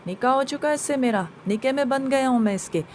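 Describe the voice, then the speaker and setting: A woman's voice: high-pitched, fast talker, slight background noise, lightly acted. A woman voicing a menacing male jinn that takes the form of a black cat, speaking in threats. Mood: threatening. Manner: threatening, possessive.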